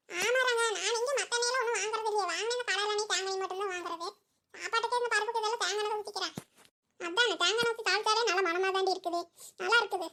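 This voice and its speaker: Woman voicing shrill quick-talking village women for a cartoon, bright tone. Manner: chatty, scolding village banter. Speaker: voice actor playing several village women. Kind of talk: cartoon voice acting.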